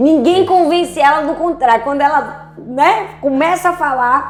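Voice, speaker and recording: A woman speaks with a strong northeastern Brazilian accent. Noticeable background noise runs under her voice. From Northeast Brazil, Recife. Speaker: pastor. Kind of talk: casual chat. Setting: at the guest's home. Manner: talkative.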